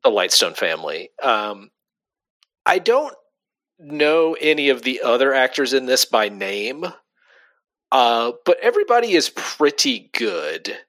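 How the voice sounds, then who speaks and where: A man's voice: mid-range voice, sing-song, measured pace, fairly bright tone. A man co-hosting a casual movie podcast, rambling and restarting his sentences and laughing often. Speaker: podcast co-host.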